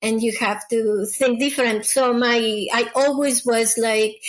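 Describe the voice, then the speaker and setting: A woman with a Mexican accent talks at a fairly slow pace. Her pitch is fairly high and her intonation monotone and flat. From Mexico (Mexico City, Tijuana). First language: Spanish. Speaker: fashion designer. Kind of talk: interview. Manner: halting.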